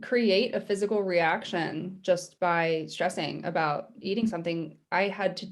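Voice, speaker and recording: A woman in her mid-twenties hosts an interview podcast and explains things from her dietitian work. She sounds friendly and affirming. Her voice sits slightly low for a woman. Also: measured pace. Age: 20s. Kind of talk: interview conversation.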